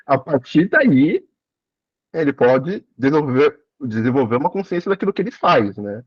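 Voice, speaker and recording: A man with a husky, lively voice talks through ideas in a casual study group, circling back to rephrase as he goes. The sound is dry and muffled, like a lo-fi call. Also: medium pitch, moderate pace, no echo. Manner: reflective, rephrasing often. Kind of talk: casual discussion.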